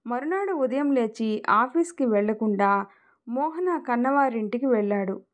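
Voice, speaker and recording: A woman narrating an emotional family story in a measured storytelling manner. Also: a little high, expressive.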